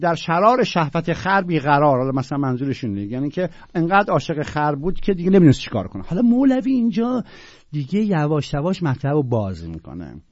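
A man slowly reciting classical verse, then explaining it in quick, casual talk with joking asides. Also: a little high, very animated, no room sound, highs cut off. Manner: slow, louder recitation of verses alternating with quick colloquial explanation; jokey, informal asides. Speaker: poetry explainer.

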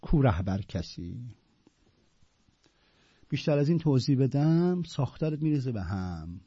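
A man explains Sufi poetry in a casual, conversational way, reciting lines with mounting force before unpacking them. His voice is husky and a little breathy. The recording is dull and lo-fi with a dry, close sound. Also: medium pitch, big pitch swings, warm tone, dry recording. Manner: recites verses with rising emphasis, then explains in loose colloquial talk. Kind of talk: casual spoken commentary on classical poetry.

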